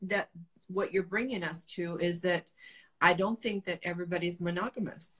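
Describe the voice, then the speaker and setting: Moderately paced, a woman with an American accent speaks in a dry, close sound with no echo. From California. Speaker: clinical sexologist, co-host. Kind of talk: casual chat.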